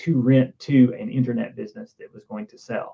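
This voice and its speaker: Speaking with an Arkansas accent, a man talks at a medium pitch. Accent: Arkansas Southern. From US South, Arkansas. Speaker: economics professor. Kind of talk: presentation with Q&A in online meetup. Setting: virtual live stream. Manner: hesitant, many fillers and repeats.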